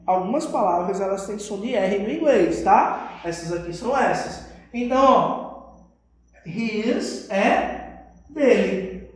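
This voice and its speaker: A woman's voice: mid-range voice, expressive, normal speed. A woman teacher with a Brazilian accent giving a video lesson to children, patient and checking they follow along. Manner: patient, keeps checking understanding with tag questions. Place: classroom with a whiteboard. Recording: very echoey room.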